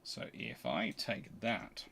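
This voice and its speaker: A man's voice: slow pace, sharp tone, slight background noise. Man thinking aloud, explaining. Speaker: history channel host answering viewer questions. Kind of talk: casual unscripted question-and-answer commentary.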